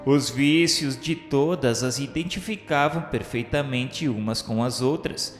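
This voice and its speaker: A man with a Brazilian accent reads scripted radio novela narration in a solemn, formal, measured manner. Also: medium pitch. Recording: echoey reverberant voice over music. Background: music bed.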